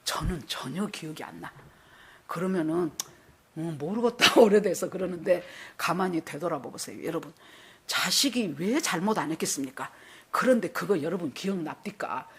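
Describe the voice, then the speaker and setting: An older woman pastor with a fairly low, husky voice preaches a sermon at normal speed, sounding animated. She tells stories throughout and acts out the voices of the people in them.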